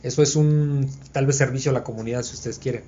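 A man's voice: medium pitch, fairly even intonation, fast, warm tone, slight background noise. A man leads a conversational Bible study for a small group. He thinks aloud and keeps checking that his listeners are following. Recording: dull lo-fi recording.

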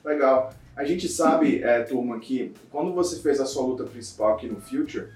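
A man, interviewing a fighter in a relaxed, chatty way. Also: mid-range voice, moderate pace, distant mic. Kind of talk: casual interview. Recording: roomy, off-mic with music behind.

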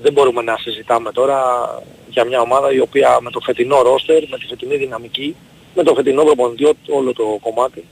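A man in his forties with a gravelly, husky voice calls in to a radio show. He lays out his view in a measured, reasoned way, pausing on fillers as he goes. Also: mid-range voice, fairly even intonation, a little mellow, no echo, low-quality recording. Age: 40s. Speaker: caller. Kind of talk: call-in opinion.

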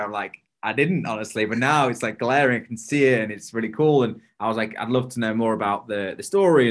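A man hosting a podcast interview over a video call, talking casually with many restarts and fillers. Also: lowish voice. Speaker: podcast host.

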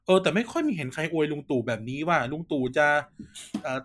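A man's voice: fairly high pitch, expressive, a little hiss or hum. A Thai man co-hosting a podcast, chatting casually and jokingly, often repeating words as he talks. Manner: fast, joking, repeats words while talking. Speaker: podcast co-host. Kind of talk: casual political chat.

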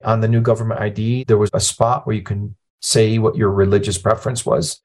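A low-voiced man in his fifties, originally from Lebanon, speaking as a guest on a podcast. He tells his story in a plainspoken, matter-of-fact way, with the steady directness of a retired officer. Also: fairly quick. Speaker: nonprofit president, guest. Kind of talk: conversational storytelling interview.

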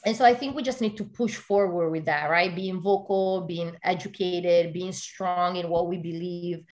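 A woman's voice: fairly low pitch, steady tone, moderate pace, a little mellow. A woman from Italy, a guest in an interview, talking in an earnest, casual way and filling her speech with "you know" and "like".

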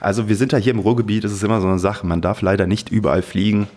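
A man with a lowish, steady, slightly mellow voice talks very fast as he co-hosts a podcast. He's also a hobby drone pilot, and his casual chat comes across as enthusiastic and informal.

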